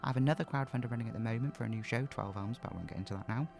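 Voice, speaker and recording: A man introduces a show informally as its creator. He talks fast with a lot of vocal fry, over faint music. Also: mid-range voice, darkish tone.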